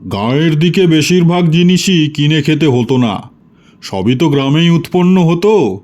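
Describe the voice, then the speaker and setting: A man's voice: fairly high pitch, a little slow, a little mellow, voice pushed up, lightly acted. A man voicing a genial, boastful village-born storyteller who reminisces proudly and chattily in an audio storybook. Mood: nostalgic, chatty.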